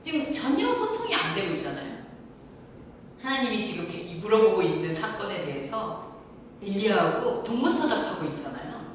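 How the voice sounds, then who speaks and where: A woman pastor preaching a sermon, telling the story with animation and asking the congregation questions. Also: mid-range voice. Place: church sanctuary. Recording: echoey hall from far off, faint room noise.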